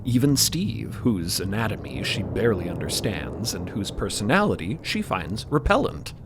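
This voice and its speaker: A man's voice: lowish voice, very animated, normal speed, noisy background. A man reading scripted narration for an audio drama as its narrator.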